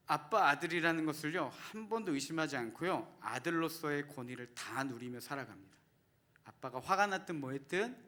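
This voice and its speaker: A man's voice: on the high side, sharp tone. A Korean man, a pastor in his thirties, preaching a sermon in church and asking the congregation questions. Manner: earnest, asks the congregation questions. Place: church sanctuary.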